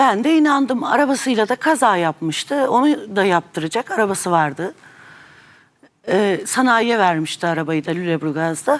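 Her pitch swinging very widely, a woman speaks at a moderate pace. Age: 50s. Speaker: mother searching for missing son; guest. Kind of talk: emotional testimony on TV talk show. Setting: studio. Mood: sad, pleading. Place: studio.

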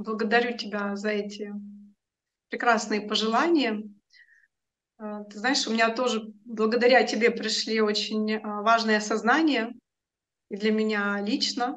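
A woman speaks at a fairly slow pace with a fairly high pitch. Her intonation is monotone and flat, broken by long, frequent pauses. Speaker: interviewer. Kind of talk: interview. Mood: calm, warm. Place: home room. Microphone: video call.

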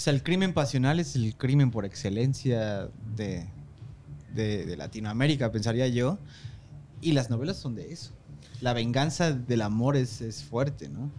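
Over light background noise, a somewhat breathy voice with a dark, mellow tone and lively intonation moves at a fairly slow pace with long, frequent pauses. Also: man, medium pitch for a man. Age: 30s. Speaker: musician; guest. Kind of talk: casual chat; interview answer. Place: studio. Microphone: studio mic.

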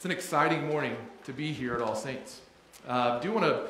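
Heard with audible room echo and light background noise, a man talks with ordinary pitch variation. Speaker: church minister giving announcements. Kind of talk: church announcements. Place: church. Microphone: camera far.

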